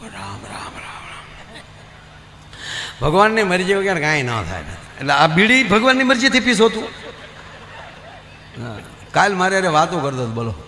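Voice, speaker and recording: A male folk comedian from Gujarat, his voice high and bright. He spins stage stories and slips into the voices of his characters. Faint live-event noise sits under his microphone. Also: moderate pace, big-room sound. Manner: animated storyteller acting out voices in the jokes. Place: live stage show before an audience.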